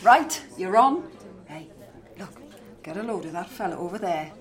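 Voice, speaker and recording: A woman's voice: on the low side, expressive, normal speed, crowd noise, close to an everyday voice. An actress playing a blunt, teasing but caring woman friend. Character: cheeky, supportive woman friend.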